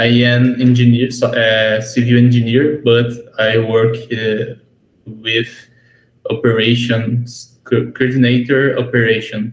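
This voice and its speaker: A man in a Brazilian Portuguese accent, medium-pitched and monotone with flat intonation, at a very slow pace and very even loudness. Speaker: student, civil engineer. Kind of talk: language class conversation. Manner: halting, hesitant English.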